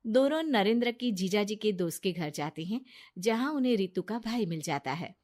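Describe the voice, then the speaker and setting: A woman tells a bedtime moral story in an even middle voice. She moves between plain narration and lively character voices, and her pitch sits right in the usual range. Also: normal speed. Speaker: storyteller voicing several characters.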